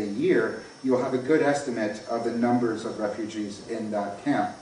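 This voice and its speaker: A man's voice: lowish voice, darkish tone. Heavily reverberant room, distant mic, North American male, academic speaker, informal lecture delivery, explanatory. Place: echoey indoor lecture room. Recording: echoey room, distant mic, faint noise.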